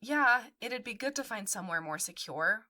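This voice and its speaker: A woman's voice: mid-range voice, expressive, moderate pace, pushed and bright. An actress playing a supportive, frank young woman in naturalistic audio drama dialogue. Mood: unsure.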